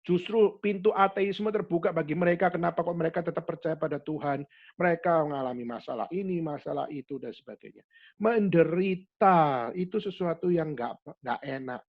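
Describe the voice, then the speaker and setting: High, animated male preacher. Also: normal speed, muffled recording. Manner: animated preaching, mixes in English words, acts out quoted voices. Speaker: pastor. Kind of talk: sermon to a youth fellowship.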